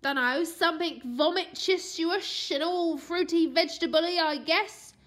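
A woman's voice: very high voice, a little slow, a bit bright, voice pushed up. A woman voicing a bratty young boy who whines and mangles his words. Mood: whiny.

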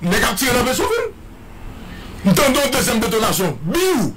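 A man's voice: very high voice, animated, a little fast, fairly bright tone, slight background noise. A man with a Haitian French accent giving a dramatic, repetitive eyewitness account, imitating the sounds he heard. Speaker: guest commentator.

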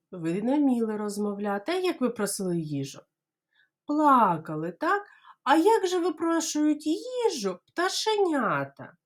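A Ukrainian woman teaching small children to say words clearly, modelling them slowly syllable by syllable and imitating bird calls. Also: on the high side. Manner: slow, exaggerated syllable-by-syllable modelling; playful bird-call imitations. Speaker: kindergarten teacher. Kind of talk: speech lesson for small children.

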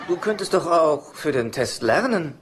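Earnest, exasperated sitcom dad, animated. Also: male voice, on the high side, normal speed. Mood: earnest, puzzled. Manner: earnest, lecturing. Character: earnest, exasperated, moralizing father. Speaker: dub actor in a sitcom. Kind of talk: German-dubbed sitcom dialogue. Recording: TV soundtrack with loud background noise.

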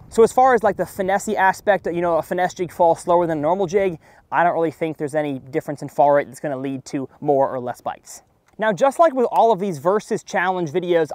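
Young man, lively swooping pitch, jokey, excitable, dry outdoor boat recording. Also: dry recording. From Texas. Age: young adult. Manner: excitable, jokey, exclaims at catches. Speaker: fishing video host. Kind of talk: casual fishing vlog commentary. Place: open boat on a lake, outdoors.

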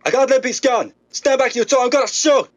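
A man playing a smooth but nervous crooked businessman in a 1930s style radio drama. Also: extremely high pitch, a little fast, a little hiss or hum. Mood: flustered panic. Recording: dull band-limited vintage-style radio sound.

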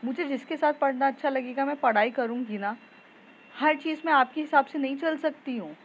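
A woman voicing an angry teenage schoolgirl who shouts back at her mother in a raised, heated voice in a told story. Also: high-pitched, a little fast, muffled recording, a little hiss or hum, voice pushed up. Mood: angry, defiant.

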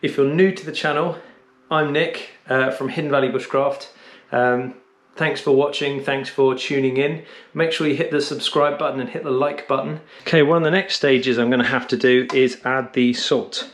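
A man's voice: medium pitch, fairly even intonation, moderate pace. A man in his thirties giving an upbeat, practical outdoor how-to lesson as a bushcraft instructor, speaking on an action camera in the woods and a cabin. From England. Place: woodland camp and wooden cabin.

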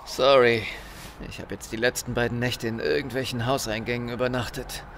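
Ein Mann spielt in einem deutschen Hörspiel ein besonnenes, gedämpft und höflich sprechendes Gangmitglied. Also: male voice, mid-range voice, flat delivery, brisk, noisy background, natural voice. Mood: calm. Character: calm, level-headed, down-on-his-luck male gang member. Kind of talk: German audio drama acting.

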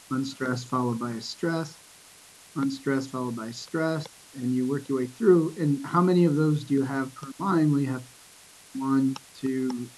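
A man's voice: on the high side, low-quality recording. Casual man teaching poetry, faint hiss. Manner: relaxed, many fillers and restarts, reads verse slowly. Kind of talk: casual screen-recorded lesson.

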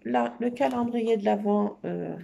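Lady crafter, slow and gushing, warm mellow voice, bit of fry. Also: on the high side. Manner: enthusiastic, many fillers, repeats "trop beau". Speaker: scrapbooking crafter. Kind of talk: casual show-and-tell of craft paper.

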